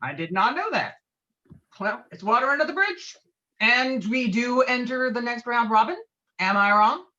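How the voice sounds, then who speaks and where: A woman's voice: on the high side, animated, moderate pace, sharp tone, dull audio. A woman acting a belligerent, rule-obsessed middle-aged male bowler in a script read, emphatic, self-righteous and foul-mouthed. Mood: smug. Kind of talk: acted table read of a film script.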